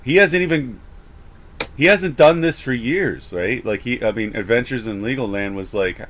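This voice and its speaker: A man's voice: mid-range voice, expressive, normal speed, fairly bright tone, a little hiss or hum. A man chatting casually, rambling with frequent stammers and false starts. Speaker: host of a call debrief. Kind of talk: casual chat.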